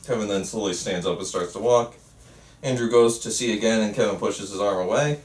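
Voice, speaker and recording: Guy reading out stage directions, kinda low voice, echoey room. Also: brisk. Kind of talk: reading screenplay directions aloud. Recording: roomy, faint noise, distant mic.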